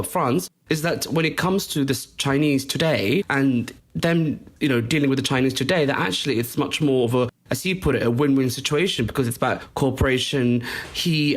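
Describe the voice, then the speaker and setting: A man reporting as a guest on a discussion panel, explaining at length in a measured way with frequent fillers. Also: mid-range voice.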